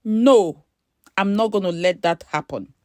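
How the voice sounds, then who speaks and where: A woman's voice: medium pitch, unhurried, dark tone, no echo, lightly acted. A bitter and envious young woman from a dramatic moral tale, acted out by a female storyteller. She sounds resentful of her closest friend, and the recording is dry. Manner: hesitant, stammering when confronted.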